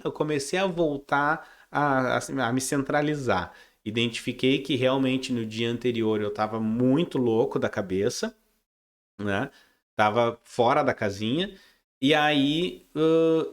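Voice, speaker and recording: Chatty man explaining with tag questions. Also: mid-range voice. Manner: conversational, ends points with tag questions; frequent restarts and repeated words. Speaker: day trader sharing his results. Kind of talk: casual explanatory vlog.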